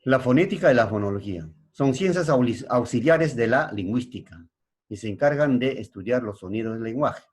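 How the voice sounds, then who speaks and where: A middle-aged male secondary school teacher with a Peruvian Spanish accent gives a slow classroom lesson. He keeps checking in with his pupils. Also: medium pitch, lively intonation, slightly rough. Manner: slow, explanatory, frequent checking tags.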